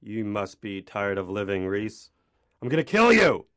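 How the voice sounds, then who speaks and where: A man's voice: fairly low pitch, big pitch swings, measured pace, fairly bright tone, heavily acted. A man playing a swaggering, furious, self-important chef in a melodramatic, pompous audio play parody. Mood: menacing.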